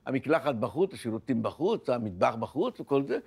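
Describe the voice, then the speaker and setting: An older man speaks as a podcast guest and tells his own story with strong feeling, looping back on his words as he goes. His voice sits at an ordinary pitch and sounds close to the mic, with a dry, dead studio sound. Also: sing-song, vocal fry, darkish tone, slightly rough, no echo. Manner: emotional, vivid retelling with repeated words. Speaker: interview guest. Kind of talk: personal storytelling in a podcast interview.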